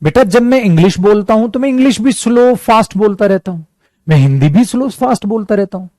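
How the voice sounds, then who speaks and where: An animated Indian English male teacher who switches between Hindi and English and slows down deliberately to spell out his English examples. His pitch sits high and moves a lot. The recording is dry and close. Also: no room sound. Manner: calls students "beta", mixes Hindi and English, slows right down for English examples. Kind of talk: bilingual classroom lesson.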